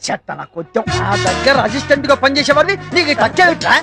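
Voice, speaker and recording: A man acting as a fussy grocery shop owner who scolds his worker in a quick, excitable comic way, with film music behind. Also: very high voice, vocal fry, exaggerated voice. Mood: fretting. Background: film background music.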